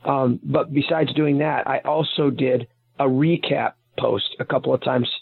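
Gravelly husky guy calling in to a show, tinny phone line, kinda rambly. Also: medium pitch, steady tone, a little slow. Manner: rambling, self-correcting explanations. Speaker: guest author and private investigator. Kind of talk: phone-in interview.

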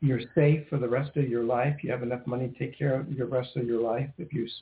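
A man's voice: mid-range voice, flat delivery, quick pace. A man hosting a psychic radio show, reading numbers and asking the caller direct questions. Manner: probing, asks direct questions. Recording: tinny phone line.

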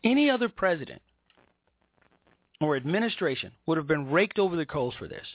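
A man's voice: a little high, sing-song, no room sound. American male political commentator on phone-like audio. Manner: emphatic, indignant, deliberate phrasing with repetition. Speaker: political talk show host. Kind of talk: political commentary with read-out news articles. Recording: tinny, narrow phone-like line.

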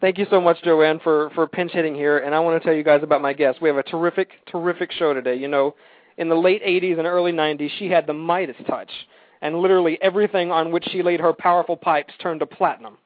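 A man's voice: fairly high pitch, fairly even intonation, fast, no echo. A man hosting a radio talk show, chatting and interviewing in an effusive, complimentary way. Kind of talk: casual chat and celebrity interview. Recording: dry phone-like line.

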